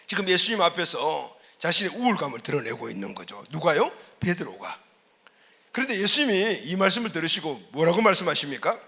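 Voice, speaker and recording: A man's voice: fairly high pitch, sing-song, brisk, bright, forceful tone. A male pastor preaching a sermon in church, asking the congregation questions and repeating key words for emphasis. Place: church service.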